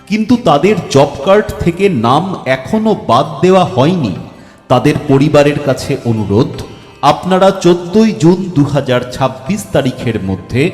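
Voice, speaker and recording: Man announcing through a loudspeaker. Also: a little high. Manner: formal, measured, reading out notices. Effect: announcement through a loudspeaker mic. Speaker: village council announcer. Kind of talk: public service announcement. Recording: echoey hall reverb with faint music.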